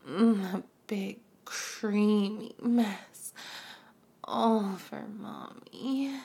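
A woman whispers very close to the mic in an intimate roleplay, breathy and coaxing. Her delivery is unhurried and drawn out, with a mellow, low-lit tone and a gentle gravelly fry at the edges of her words. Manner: breathy whispering with soft hums. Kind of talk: whispered adult ASMR roleplay. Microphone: close microphone.

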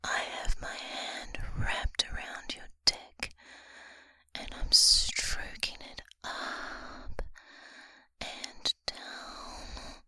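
A woman whispering slowly and intimately into a close microphone, with a breathy voice and frequent sighs. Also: sharp tone, no echo. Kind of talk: whispered ASMR-style roleplay.

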